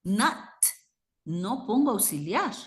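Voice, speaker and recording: A woman's voice: medium pitch, sing-song, takes it slowly. A woman with a Mexican Spanish accent teaching an English grammar class, explaining patiently and switching between Spanish and English. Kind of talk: bilingual grammar lesson.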